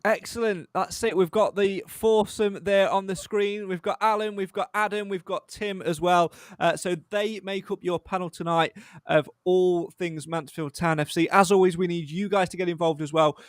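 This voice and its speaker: A man's voice: sits high, steady tone, moderate pace, no room sound. A man hosting a live fan podcast in a chatty, self-deprecating way, with frequent fillers. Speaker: podcast host.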